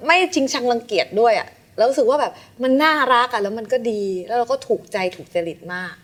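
On a television talk show, a woman guest tells her story in a slightly high voice, talking fast. She's animated, acting out the voices of the people involved.

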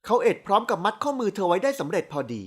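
A woman narrating a romance audiobook with expressive storytelling. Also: mid-range voice, rapid-fire, slightly rough.

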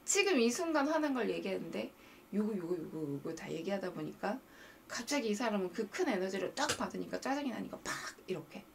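A woman coaching viewers on a live stream, talking to them directly with animated emphasis. Her voice has a gravelly edge and swings widely in pitch. She sits some way off the mic, with faint noise behind her. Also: a little fast, distant mic. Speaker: mind-training coach and live-stream host.

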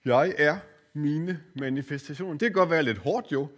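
An older man gives a spiritual lecture at a course center. His voice sits a little higher than most men's. He speaks reflectively and pauses often, filling the gaps with hesitant sounds. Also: fairly bright tone.

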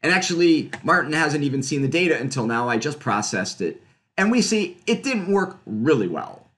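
A middle-aged man talks through his slides on a webcam video call from a room at home. His pitch moves a lot, rising and falling as he explains. He speaks casually, with fillers and quick self-corrections. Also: sing-song, a bit bright. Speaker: physics researcher presenting.

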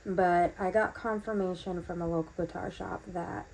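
Chatty woman, low mellow voice. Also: fairly even intonation, normal speed, creaky, a little hiss or hum, poor audio. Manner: chatty, rambling with many ums. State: recovering from lost voice. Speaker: vlogger. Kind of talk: casual unboxing narration. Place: bathroom at home.

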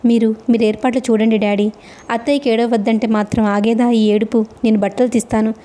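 A woman's voice: on the high side, level tone, fairly quick, dark tone, close to an everyday voice. A woman voicing a composed young woman taking charge in a storybook reading, with a firm, practical manner.

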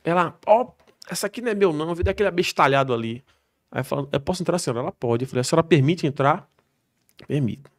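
Fast-talking policeman telling stories. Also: fairly high pitch. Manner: slangy, animated anecdote telling. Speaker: military police soldier guest. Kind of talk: podcast storytelling.

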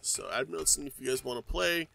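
A man's voice: mid-range voice, fast talker, creaky, pushed and bright, a little hiss or hum. Congested young man rambling over gameplay. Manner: rambling, many ums and uhs. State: congested from a cold. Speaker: gaming YouTuber. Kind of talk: casual let's-play commentary.

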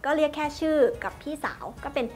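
A young woman with a high, bright-sounding voice hosts a language lesson, explaining phrases word by word in a chatty, polite way. Soft music plays faintly underneath. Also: little pitch movement, fast talker. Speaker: host teaching Chinese through drama clips.

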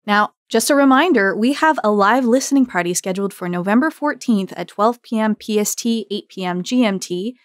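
A woman's voice: medium pitch, a little fast, few pauses, no echo, studio quality. A woman hosting an interview podcast in an effusive, conversational way. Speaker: podcast host.

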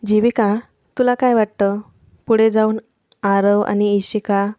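Brief: gentle hopeful father, read by a woman narrator, mellow and soft, dull recording. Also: medium pitch, level tone, measured pace, clear, resonant tone, no room sound, close to an everyday voice.

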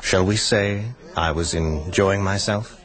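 A man's voice: low-pitched, fairly even intonation, slow, a bit bright. An actor playing a suave, menacing male agent from the future who hunts a runaway couple, in a radio drama. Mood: smug. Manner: suave, mocking, patient menace. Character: menacing male time agent, smug cold hunter.

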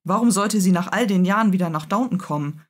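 A woman's voice: mid-range voice, fast, natural voice. A woman voicing a stern, commanding aristocratic lord of the manor, impatient with his servants. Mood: puzzled.

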